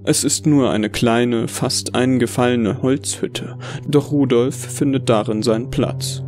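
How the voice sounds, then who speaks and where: A man's voice: medium pitch, steady tone, measured pace, natural voice. A man narrating a horror audio drama as a bitter, delusional Santa, brooding and contemptuous. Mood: brooding, cold. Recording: music behind the voice.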